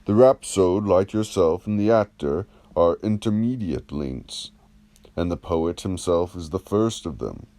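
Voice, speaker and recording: A man reading the part of a probing, measured philosopher in an audiobook of a classical dialogue, teaching through rhetorical questions. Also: low voice, warm tone. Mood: didactic.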